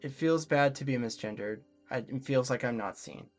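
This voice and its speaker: A woman chatting casually and personally as a co-host, in a halting, reflective way with frequent pauses. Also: rumbling low, darkish tone, faint music behind. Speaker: co-host answering audience questions.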